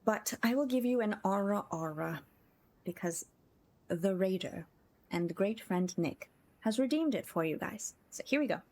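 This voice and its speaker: Over background music, a game streamer and content creator talks casually and effusively to her viewers, thanking them frequently. Her mid-range voice is expressive, a little slow, and a little mellow.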